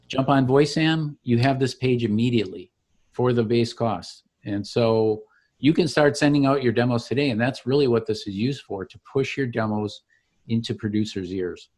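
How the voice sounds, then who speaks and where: Guy doing a casual software demo, explains every click, kinda salesy, mid-pitched voice. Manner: explanatory, salesman-like, talking through each click. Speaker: company founder demonstrating his product. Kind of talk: informal software demo walkthrough.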